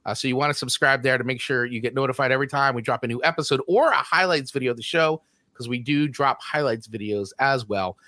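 Jersey guy cohosting a podcast, bright clear voice, dry close sound, rambly chatty plugs. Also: medium pitch, fast, dry recording. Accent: New Jersey. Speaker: podcast co-host. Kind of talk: casual chat.

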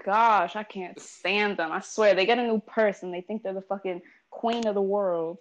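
A young woman in casual chat, blunt and profane, talking in an animated way. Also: medium pitch, normal speed, rough recording. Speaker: interviewee. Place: New York.

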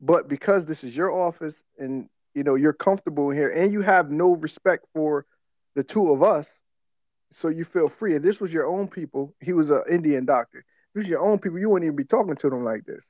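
Male podcast co-host, African American English, casual profane storyteller, higher voice, dry and slightly lo-fi sound. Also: no echo. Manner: slangy, profane, quick to laugh. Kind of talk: casual chat, personal storytelling.

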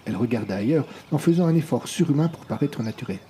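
A man reading a story aloud as narrator, expressive and shifting his voice between characters. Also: quick pace, slight background noise. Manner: expressive, varies pitch widely between characters. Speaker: audiobook narrator. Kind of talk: scripted narration.

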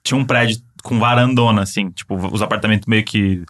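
A man with a Brazilian accent telling a story in casual chat, animated and full of fillers. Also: fairly low pitch, fast talker. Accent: Brazilian Portuguese.

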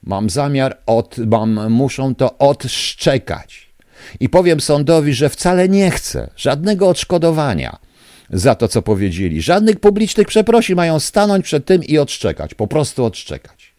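A man's voice: mid-range voice, big pitch swings, a little slow, darkish tone, no room sound. A male radio host rants angrily and indignantly at his listeners in a studio. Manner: angry, indignant ranting. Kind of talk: live radio talk to listeners. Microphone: studio microphone.

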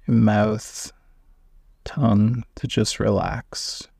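Male meditation guide, calm and unhurried, very flat intonation, dry close sound. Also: lowish voice, vocal fry, husky, no echo. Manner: calm, measured, sparse phrases with long pauses.

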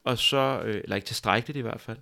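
A man hosting a conversation, speaking in a thoughtful, halting way with many restarts. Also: mid-range voice, creaky, bright, forceful tone. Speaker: podcast host. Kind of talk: reflective conversation.

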